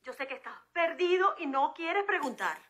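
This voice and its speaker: A woman's voice: high voice, moderate pace. An actress playing a flustered, stressed woman with a Venezuelan accent in a TV comedy-drama. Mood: threatening. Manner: flustered and exclamatory, talks herself calm. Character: frazzled woman on New Year's Eve.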